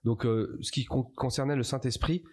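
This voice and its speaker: A man's voice: mid-range voice, normal speed, a little mellow. A man speaking as a podcast guest, sharing personal testimony, hesitant and often repeating himself as he searches for words. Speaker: podcast guest, church member.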